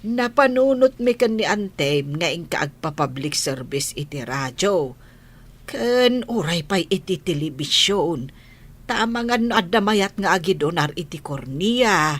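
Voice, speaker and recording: A woman's voice: fairly low pitch, expressive, measured pace, breathy edge. A woman voicing a supportive grandmother in an audio drama, speaking reassuringly.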